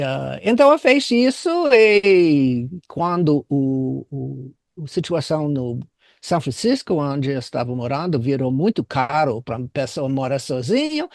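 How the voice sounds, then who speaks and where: Older American man, high-pitched gravelly voice. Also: darkish tone, dry recording, studio quality. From United States. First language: English. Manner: halting, searching for words in non-native Portuguese. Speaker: business consultant interviewed as guest. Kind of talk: conversational interview storytelling.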